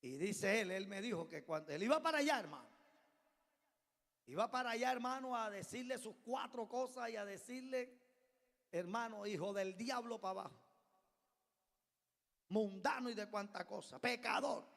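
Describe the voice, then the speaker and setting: A man preaches fervently, shifting from quiet storytelling to shouted appeals to the congregation. His voice is very high and bright, and cutting. A long church reverb trails his words. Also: moderate pace, gravelly, pauses often. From Colombia. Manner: storytelling sermon, rising to shouted exhortation. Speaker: pastor. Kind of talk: sermon. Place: church hall.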